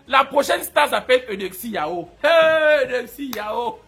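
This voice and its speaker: A man doing comic commentary as a YouTuber, excitable and mock-adoring, breaking into shouts. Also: very high-pitched, slow pace, creaky, faint music behind.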